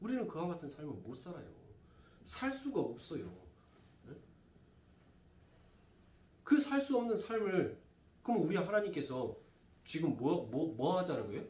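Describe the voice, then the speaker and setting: A man's voice: fairly high pitch, very animated, normal speed, long pauses, warm tone. A man preaching a sermon, asking the congregation questions and answering them himself. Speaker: pastor. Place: church sanctuary. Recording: roomy church from a distance.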